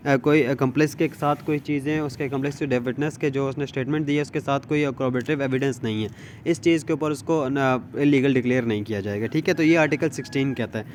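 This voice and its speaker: Higher-pitched Pakistani man lecturing from notes. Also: a little hiss or hum. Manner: switches between Urdu and English, repeats check phrases. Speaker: law lecturer. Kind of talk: informal lecture, reading out notes and explaining them.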